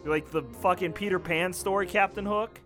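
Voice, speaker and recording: A man's voice: sits high, steady tone, moderate pace, fairly bright tone, faint music behind. A man playing a crude, sarcastic character who keeps mocking the villain. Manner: profane, sarcastic heckling.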